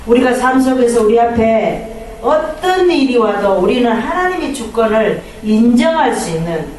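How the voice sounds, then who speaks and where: High, lively woman pastor preaching. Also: moderate pace, a little hiss or hum. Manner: animated, acts out quoted prayers and complaints. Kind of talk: sermon. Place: church sanctuary. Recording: echoey hall from far off.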